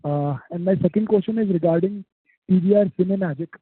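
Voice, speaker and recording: High-voiced Indian man calling by phone. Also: fast talker, breathy edge, no room sound. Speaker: analyst caller asking questions. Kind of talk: earnings call questioning. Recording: dry, tinny narrowband phone line.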